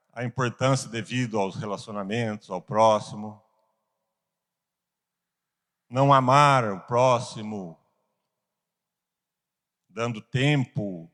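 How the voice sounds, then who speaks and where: Here a Brazilian-accented man teaches Sunday school, earnestly working through a Bible lesson with rhetorical questions and emphatic pauses. His pitch sits fairly low, with a slightly bright quality.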